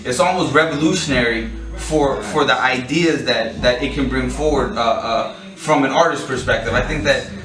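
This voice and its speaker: A man's voice: medium pitch, moderate pace, few pauses. A man in his late thirties, born in Pakistan and raised in California, talking casually as a rapper being interviewed, often repeating and restarting his words. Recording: roomy sound from a distant mic.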